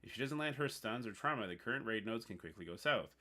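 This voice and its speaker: A man from Newfoundland with a Newfoundland accent, hosting a casual livestream. He reads on-screen text aloud haltingly and chats with his viewers. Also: medium pitch, animated, pushed and bright. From Newfoundland, Canada. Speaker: livestream host.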